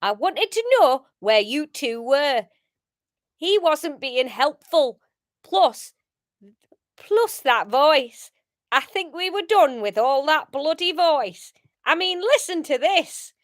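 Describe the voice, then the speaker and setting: A woman's voice: high-pitched, lively intonation, takes it slowly, no echo, studio quality. A woman voicing a taunting, sweary male gang leader from a story in an attempted Geordie accent. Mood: exasperated.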